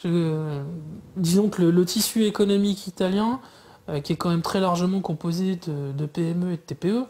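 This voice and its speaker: A man talking through politics in a casual discussion, pausing often with fillers and restarts. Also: high-pitched, mellow. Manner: hesitant, many fillers and restarts. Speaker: guest commentator.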